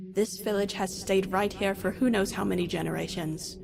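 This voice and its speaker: A female-sounding put-on character voice at a medium pitch and moderate pace, over clear background noise. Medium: audio drama.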